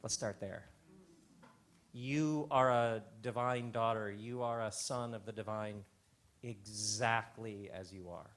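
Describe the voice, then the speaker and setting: A man's voice: fairly low pitch, takes it slowly. Reflective man telling stories on stage. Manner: reflective storyteller, drops soft on key lines. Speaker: host. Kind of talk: live stage talk with stories. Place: live theater stage before an audience.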